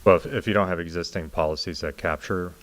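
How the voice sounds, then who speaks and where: Guy with a really low voice walking a council through planning stuff, informal, explaining as he goes. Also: steady tone, quick pace. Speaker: planning consultant presenting to a city council. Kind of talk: explanatory public presentation. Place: city council meeting room.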